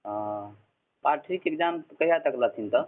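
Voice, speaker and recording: Student caller on a tinny phone line. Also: male voice, medium pitch, animated, moderate pace. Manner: asks questions, frequent short acknowledgments. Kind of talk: phone conversation.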